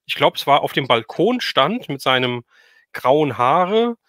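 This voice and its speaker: Middle-aged male streamer, slightly high voice, dry close sound, relaxed conversational storytelling. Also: unhurried, dry recording. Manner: reminiscing, conversational. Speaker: livestream host. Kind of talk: casual chat.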